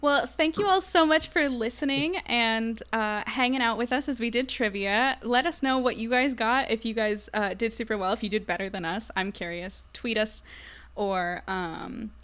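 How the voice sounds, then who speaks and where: Woman hosting a casual trivia hangout, chatty, voice a bit on the high side. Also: moderate pace, fairly bright tone. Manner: informal and chatty. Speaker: podcast host. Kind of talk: casual group chat, hosting a trivia night.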